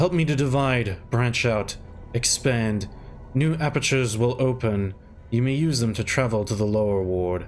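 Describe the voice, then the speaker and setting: In a put-on character voice, a man speaks soft and breathy at a moderate pace and a medium pitch, with clear music in the background. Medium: solo performance. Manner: soft, halting, oddly phrased.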